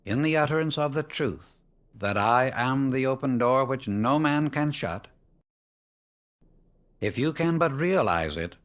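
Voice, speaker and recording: A man narrating a scripted spiritual discourse as an audiobook, solemn and measured, setting out short phrases with emphasis. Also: mid-range voice, expressive. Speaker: audiobook reader.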